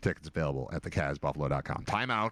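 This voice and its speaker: Fairly quick and lively in intonation, a man's bright, sharp voice shows vocal fry on a very clean recording with a silent background and a dry, close sound with no echo. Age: 50s. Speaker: radio host. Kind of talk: casual chat.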